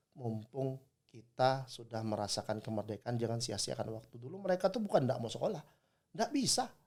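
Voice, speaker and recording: With a Medan accent, a man talks at a fairly quick pace in a medium pitch, his intonation lively and his loudness swinging widely. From Indonesia, Medan (North Sumatra). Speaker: labour union leader. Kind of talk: podcast interview.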